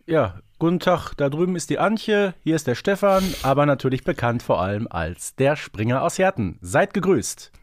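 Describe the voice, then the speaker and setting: A man's voice: fairly high pitch, animated, normal speed, hardly any pauses, no room sound, clean studio sound. A man co-hosting a podcast, talking casually and expressively with colloquial interjections. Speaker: podcast co-host. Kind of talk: casual fan podcast chat.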